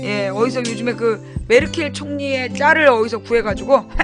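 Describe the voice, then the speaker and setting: A woman's voice: a little high, normal speed. A middle-aged woman hosting a casual live-stream talk show, thanking viewers by name, chatty, with sudden bursts of mock outrage. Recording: music playing behind.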